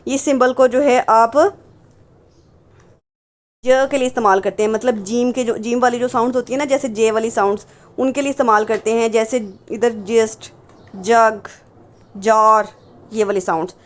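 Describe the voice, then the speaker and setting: A woman teaches English phonetics, explaining the symbols in a slightly high voice at a moderate pace. She patiently repeats example words and asks and answers her own questions.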